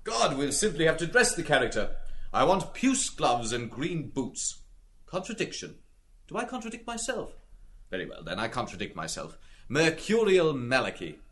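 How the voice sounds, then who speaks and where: A man's voice: a little high, huge pitch swings, normal speed, fairly bright tone, a little hiss or hum, pitched above the performer's own voice, full character voice. A man voicing a boisterous, mocking young man who banters and declaims with mock solemnity in an audiobook. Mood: theatrical.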